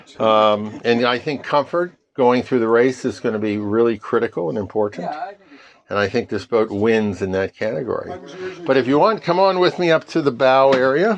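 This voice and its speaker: Speaking with an American accent, a man talks at a moderate pace in a medium pitch. His intonation is lively. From US South, Louisiana. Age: 60s. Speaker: solo ocean racing sailor. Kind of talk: boat tour interview. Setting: on board a yacht in harbour. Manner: halting, many fillers.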